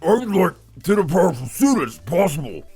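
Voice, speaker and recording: Man voicing an imperious gravelly god of war. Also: high-pitched, big pitch swings, moderate pace, darkish tone, heavily acted. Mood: commanding. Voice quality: gravelly, rough. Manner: commanding, terse, haughty. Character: imperious, short-tempered male god of war. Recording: music behind the voice.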